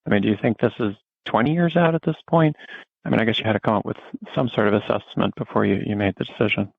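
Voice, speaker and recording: Male analyst caller, fast-talking, rambling questions, dry phone-line sound. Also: lowish voice, vocal fry, breathy edge. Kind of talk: rambling follow-up question on earnings call. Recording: tinny narrow phone line.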